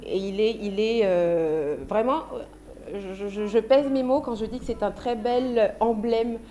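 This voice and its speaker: A woman's voice: a little high, a little slow, dark tone, a little hiss or hum. A woman from France, a singer being interviewed on a TV talk show, talking casually with frequent restarts. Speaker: guest singer.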